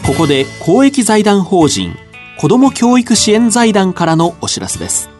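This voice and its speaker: A man presenting a radio program in a smooth, clear announcing manner. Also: high-pitched, very animated, moderate pace. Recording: dry studio voice over soft guitar.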